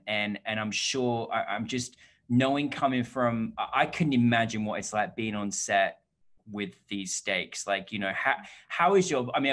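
A man in his thirties hosts a casual interview over a video call. His pitch sits in the middle, and he talks in an effusive, rambling way as he builds up to each question. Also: a bit bright. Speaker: interview host. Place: indoor room, video call.

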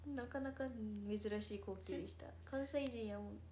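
A woman's voice: on the high side, moderate pace, mellow. A young woman idol hosting a casual late-night livestream, chatty and laughing often, reading out and answering comments. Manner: chatty, laughs often, teases in Kansai dialect. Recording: echoey room with faint noise.

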